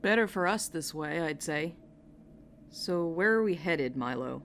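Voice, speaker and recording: A woman acting in an audio drama as a steady, protective, wryly skeptical woman with a dry, matter-of-fact manner. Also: sits low, measured pace, a little hiss or hum.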